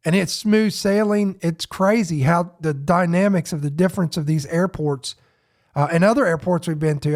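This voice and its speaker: A man with a notably high voice hosts a casual news podcast while fighting off a head cold that leaves him sniffly. He rambles off the cuff, stopping and restarting his sentences as he goes. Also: a little mellow. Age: adult parent. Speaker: podcast host.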